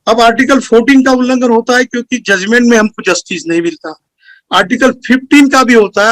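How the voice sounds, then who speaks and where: Speaker, male, high voice, dry close sound; earnest, lecturing delivery, point by point. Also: a bit bright, no room sound. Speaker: speaker at a community meeting. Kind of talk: formal speech.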